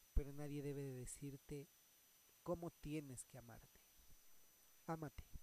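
This man's voice has a dark, mellow tone at a fairly high pitch, with monotone, flat intonation. He speaks at a fairly slow pace, leaving long, frequent pauses. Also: big swings in loudness. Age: 20s. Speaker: podcast host. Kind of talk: personal monologue.

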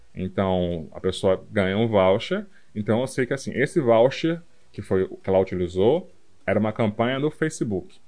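In a plain, everyday voice, a man at medium pitch talks at a moderate pace with lively intonation over a quiet background. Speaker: podcast co-host, data professional. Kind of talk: casual chat.

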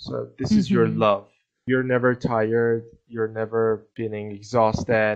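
A man with a Persian accent talks at a fairly slow pace. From Iran. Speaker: English teacher. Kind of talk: recorded message.

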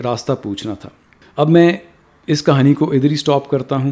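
A man speaks at a fairly high pitch. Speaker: radio show host. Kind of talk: casual radio talk and storytelling. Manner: halting, self-correcting.

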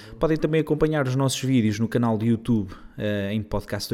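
Here is a man with an ordinary speaking voice at a medium pitch. He goes at a fairly quick pace with ordinary pitch variation. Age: 30s. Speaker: podcast host. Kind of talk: outro announcement; casual interview chat.

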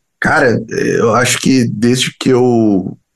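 A man talks with fairly even intonation. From southern Brazil, Rio Grande do Sul (São Leopoldo). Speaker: YouTuber. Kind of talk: interview. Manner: halting, many repetitions.

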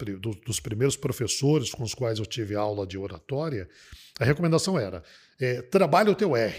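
Somewhat breathy speech at a moderate pace with very wide pitch swings, on a very clean recording with a silent background. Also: man. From Bauru, São Paulo state, Brazil. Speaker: public speaking trainer. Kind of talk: interview.

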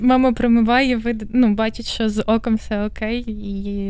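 The speech keeps a moderate pace. Its intonation is monotone and flat. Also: woman. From Zakarpattia, western Ukraine. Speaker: artist and illustrator. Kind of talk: casual chat.

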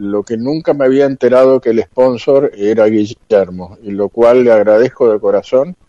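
A man speaks in a Rioplatense accent with a dark, mellow tone. The sound is dry and close with no echo, and his pitch variation is ordinary. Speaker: radio listener and old friend. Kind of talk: casual chat.

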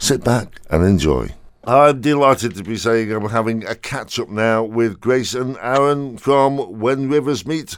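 A plain, everyday voice speaks fairly slowly with ordinary pitch variation and hardly any pauses in a very clean recording with a silent background. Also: man, medium pitch for a man. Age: 50s. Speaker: radio host. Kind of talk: radio interview; scripted intro.

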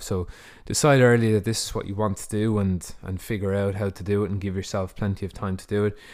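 A man with an Irish accent speaks in a fairly low, monotone, flat voice, captured in a very clean recording with a silent background. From Ireland. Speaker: fitness coach and podcast host. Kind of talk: solo podcast monologue. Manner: hesitant, frequent fillers.

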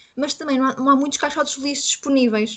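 This woman speaks with a European Portuguese accent. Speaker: podcast guest, K-pop fan who lived in Korea. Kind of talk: casual chat.

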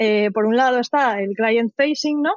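This is an ordinary speaking voice. The pace is fairly slow. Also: woman. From Madrid, Spain. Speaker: startup CEO. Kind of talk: interview.

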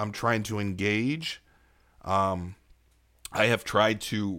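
A man speaks with a bright, sharp tone at a fairly low pitch, using ordinary pitch variation. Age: 40s. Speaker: podcast host. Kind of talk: casual chat. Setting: video call.

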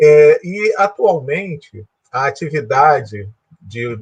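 Lively intonation in a man's somewhat breathy voice, pitched fairly high. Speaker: spiritist lecturer. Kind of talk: religious lecture.

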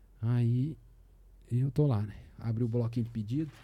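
A man talks at a moderate pace in a medium pitch, his tone dark and mellow. His voice is somewhat breathy, and his intonation stays fairly even. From Brazil, Goiás (Goiânia). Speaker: agribusiness entrepreneur. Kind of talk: interview storytelling. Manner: halting, many fillers.

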